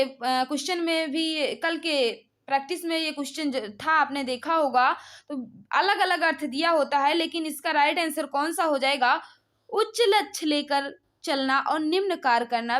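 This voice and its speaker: A woman teaching a live exam-prep quiz class, reading out questions and confirming answers with brisk, repeated set phrases. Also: sits high, a bit bright.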